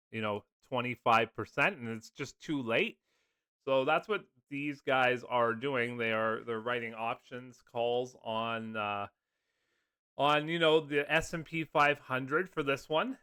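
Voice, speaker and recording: A man's voice: medium pitch, bright, forceful tone, smooth, no echo, clean studio sound. A man, just over a cold, casually explaining funds in a loose, chatty video talk full of fillers. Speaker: finance video host. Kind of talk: casual screen-share explainer.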